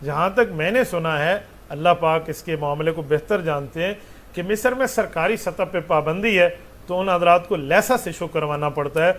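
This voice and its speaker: A man's voice: a little high, normal speed, fairly bright tone. A man, a mufti answering religious questions with patient explanations and rhetorical questions.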